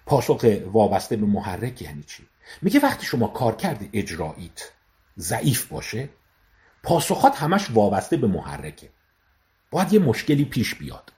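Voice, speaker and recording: Lively male psychology lecturer. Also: medium pitch. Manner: explains terms and repeats them slowly, acts out example dialogues. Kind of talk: educational talk.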